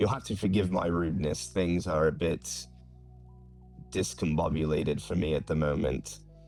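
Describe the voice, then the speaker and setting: A raspy, put-on character voice with lively intonation moves at a moderate pace over clear music in the background. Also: man, very deep, low pitch for a man. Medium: actual play. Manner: formal, measured.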